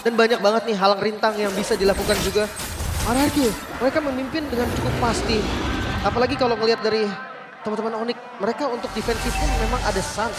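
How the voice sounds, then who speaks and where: A man's voice: sits high, steady tone, quick pace, heavy background noise. A man with an Indonesian accent giving analytical live commentary as co-caster of an esports match. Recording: loud music under the commentary.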